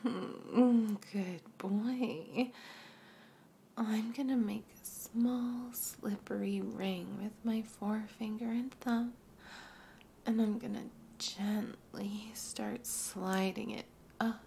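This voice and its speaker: A woman whispers very close to the mic in an intimate roleplay, breathy and coaxing. Her delivery is unhurried and drawn out, with a mellow, low-lit tone and a gentle gravelly fry at the edges of her words. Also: fairly even intonation, slight background noise. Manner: breathy whispering with soft hums. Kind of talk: whispered adult ASMR roleplay. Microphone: close microphone.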